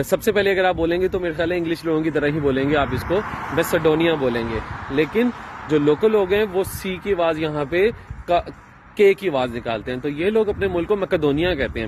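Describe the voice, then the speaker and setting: A man explains things in a relaxed travel vlog, pausing on fillers and starting over mid-sentence. He is recorded outdoors in a town, with faint street noise and passing traffic behind him. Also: a little high. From Pakistan. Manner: chatty, explaining with many fillers and restarts. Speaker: travel vlogger.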